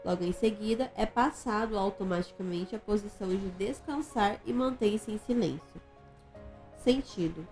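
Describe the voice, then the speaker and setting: A woman reading an instructional manual aloud in a measured, formal way. She gives extra stress to the command words. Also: medium pitch, a little mellow, faint music behind. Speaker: audiobook narrator.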